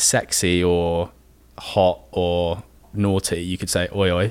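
A man with a London accent speaks with a very deep, low pitch. His intonation stays monotone and flat. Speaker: personal trainer. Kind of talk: casual chat.

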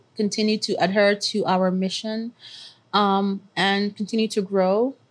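A woman talks in an American accent at a medium pitch. Her pace is fairly slow. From Nigeria. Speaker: personal finance entrepreneur. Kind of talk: casual interview chat.

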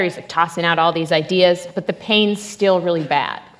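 A woman's voice over noticeable background noise. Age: 30s. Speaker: radio host. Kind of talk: scripted narration. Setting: stage with audience.

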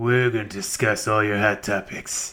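This is a put-on character voice. Its intonation is monotone and flat. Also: man. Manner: serious, dramatic.

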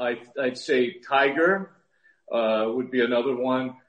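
The man speaks at a very slow pace. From Hawaii. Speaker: TV sports reporter. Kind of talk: casual interview. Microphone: unstable internet connection.

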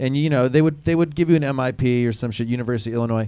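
A man talks in a normal speaking voice at medium pitch. His pitch variation is ordinary. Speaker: comedian. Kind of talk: casual chat. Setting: stage with audience.

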